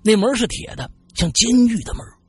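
A man telling a spooky story in an animated, dramatic way. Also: high voice, fast talker, slightly rough. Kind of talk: casual spoken ghost story.

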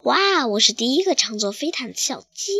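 A woman's voice: sits high, big pitch swings, fairly quick, a bit bright, husky, no room sound, exaggerated voice. A woman voicing a kind, encouraging little hen in a storybook. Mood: delighted.

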